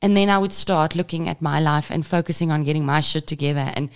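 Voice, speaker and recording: A woman in her thirties co-hosts a casual podcast with a slightly low voice. She is nasal and sniffly from a head cold, with a tickle in her throat. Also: fast talker, clear, resonant tone. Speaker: podcast co-host. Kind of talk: casual chat.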